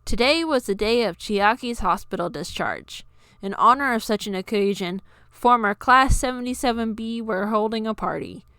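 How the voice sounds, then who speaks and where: A woman's voice: a little high, normal speed, fairly bright tone, smooth, dry recording. A woman reading a scripted story aloud as its narrator. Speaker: narrator reading own fan fiction.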